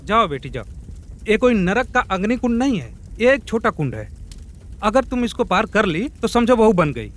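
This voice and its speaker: A man's voice: high-pitched, sing-song, moderate pace, fairly bright tone. Coaxing, insistent father. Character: coaxing father pushing his daughter. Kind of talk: dubbed film acting.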